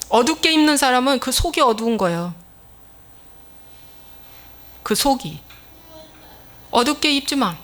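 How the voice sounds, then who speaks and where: A woman's voice: a little high, a bit bright. A woman pastor delivering a sermon, emphatic and scolding, acting out little quoted exchanges as she preaches.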